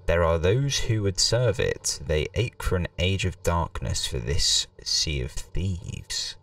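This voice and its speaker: A man reading game text aloud as a solemn storybook pirate narrator, slow and dramatic. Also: deep voice, sing-song, a bit bright, no echo, far from the mic, voice pushed down, exaggerated voice. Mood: solemn, ominous.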